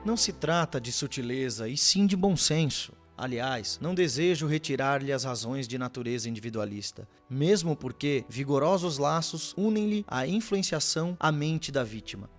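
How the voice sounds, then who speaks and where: A man's voice: mid-range voice, animated, moderate pace, hardly any pauses, natural voice. A man playing a patient, compassionate spiritual counsellor in a radio drama, speaking formally and earnestly like a preacher. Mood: fraternal, persuasive. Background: music.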